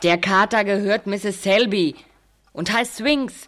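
A man's voice: high-pitched, slow, a bit bright. A young man playing a matter-of-fact, easily indignant teenage boy detective in a German audio drama. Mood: firm.

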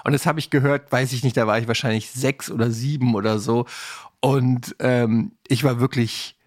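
A man's voice: mid-range voice, steady tone, moderate pace, no room sound. Man chatting casually in a dry-sounding room. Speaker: podcast co-host. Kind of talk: casual chat about childhood audio dramas.

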